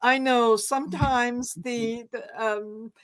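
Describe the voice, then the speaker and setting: Higher-voiced Croatian-born woman chatting. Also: steady tone, fairly bright tone, clean tone, low-quality recording. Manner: halting, searching for words. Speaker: tarot show co-host. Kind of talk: casual chat.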